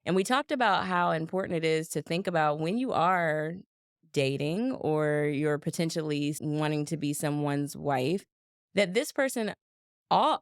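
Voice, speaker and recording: A woman in her thirties co-hosting a casual chat with her sister, telling stories in a lively way and acting out quotes. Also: lowish voice, no echo, clean studio sound. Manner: animated storyteller, acts out quotes, laughs easily. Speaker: podcast co-host.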